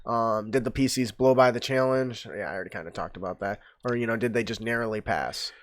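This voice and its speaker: A man's voice: on the low side, fast talker, no room sound. Man rambling on about game rules. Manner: rambling, many fillers, laughs easily. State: slightly stuffy nose. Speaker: podcast host. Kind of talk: casual tabletop gaming chat.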